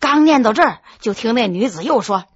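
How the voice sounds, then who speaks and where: A woman storyteller narrating a traditional tale with lively, expressive delivery. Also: fairly high pitch, fairly quick, slightly rough, dry recording, dull audio.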